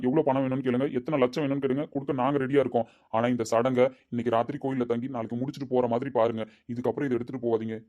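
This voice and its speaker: A man's voice: medium pitch, mellow, natural voice. A man playing an anxious, earnest father. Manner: firm, pleading. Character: worried middle-aged father paying for a temple ritual. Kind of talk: amateur audio drama.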